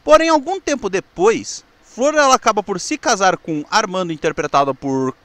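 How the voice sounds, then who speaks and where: A man's voice: sits high, animated, normal speed, fairly bright tone, no echo. A man with a Brazilian accent presenting in an explanatory, semi-scripted narration, with occasional stumbles. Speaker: presenter of a weekly history channel.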